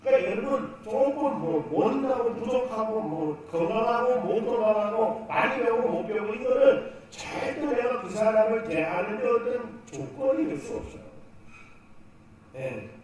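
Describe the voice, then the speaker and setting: Pastor preaching in an echoey church. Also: male voice, sits high, lively intonation, normal speed, darkish tone. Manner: asks the congregation questions and answers them. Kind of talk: sermon. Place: church sanctuary. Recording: echoey church hall, distant mic, faint noise.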